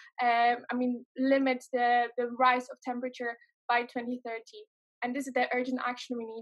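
Against a quiet background, a woman with a Polish accent talks at a high pitch. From Poland. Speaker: program coordinator, interviewer. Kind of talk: interview. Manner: hesitant. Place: home room. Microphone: video call.

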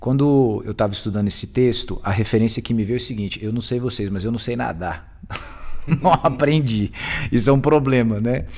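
A man speaks in an ordinary speaking voice at a medium pitch. His pace is fairly quick, with ordinary pitch variation. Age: 40s. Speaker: pastor; pastor, podcast guest or host. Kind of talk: casual chat. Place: studio. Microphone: studio mic.

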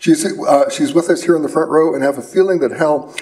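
This man has an unremarkable speaking voice, fairly high in pitch, and talks at a fairly quick pace. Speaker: event organizer introducing speakers. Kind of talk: event introduction. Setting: stage with audience. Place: hall. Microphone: podium.

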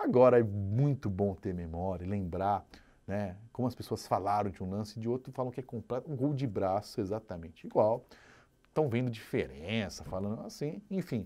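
The man's fairly low voice carries a dark, mellow tone. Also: ordinary pitch variation, moderate pace. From Brazil. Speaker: sports journalist. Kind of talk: football commentary vlog. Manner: casual, conversational. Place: studio.

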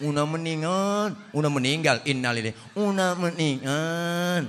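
A man puts on a nasal character voice, fairly high in pitch, speaking at a moderate pace over clear background noise. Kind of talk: sermon. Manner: mocking, joking.

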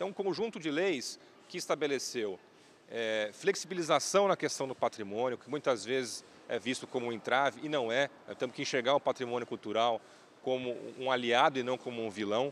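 A man speaks at a moderate pace. His is an unremarkable speaking voice at a medium pitch. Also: lively intonation. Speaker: city architect. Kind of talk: interview.

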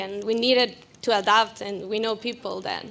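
A woman talks at a moderate pace with a fairly high pitch. Her intonation is monotone and flat. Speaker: graduate student presenter. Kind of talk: competition research talk. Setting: stage with live audience.

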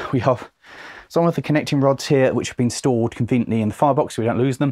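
A man is speaking. The background is quiet. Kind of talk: commentary. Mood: wistful, saddened. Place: open country. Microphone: phone near.

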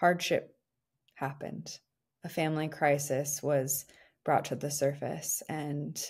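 A woman talks at a very slow pace. The background is quiet. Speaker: podcast host. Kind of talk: reflective personal podcast monologue. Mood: soft, vulnerable, reflective. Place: home room. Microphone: studio mic.

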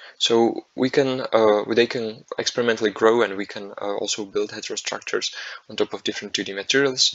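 A man with a Czech accent at a fairly quick pace. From Czechia. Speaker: PhD student. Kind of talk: conference talk. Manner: hesitant with fillers.

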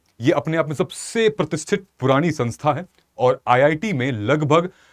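Against a quiet background, a man speaks at a fairly slow pace. His intonation is lively. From eastern Uttar Pradesh, Ghazipur; Uttar Pradesh, India. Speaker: exam-prep educator. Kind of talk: news explainer video lecture. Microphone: lapel.

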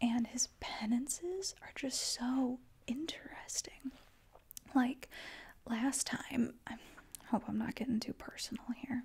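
Whispering and soft-spoken, a woman goes at a fairly slow pace, her loudness swinging widely. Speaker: ASMR creator playing a hair stylist. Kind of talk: ASMR roleplay, soft-spoken salon stylist chit-chat. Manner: soft-spoken, friendly, whispered. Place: home room. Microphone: studio mic.

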